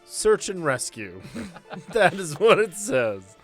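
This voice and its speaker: A man's voice: high-pitched, big pitch swings, takes it slowly, a bit bright, soft background music. A man running a tabletop roleplaying game, narrating in a casual, joking, conversational way. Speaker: game master.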